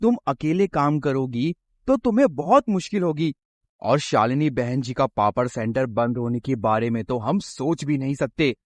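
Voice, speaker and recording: A man's voice: medium pitch, expressive, moderate pace, a little mellow, no echo, close to an everyday voice. A man voicing a sensible farmer husband in a cartoon story who warns and lectures his wife. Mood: warning. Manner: lecturing, cautioning.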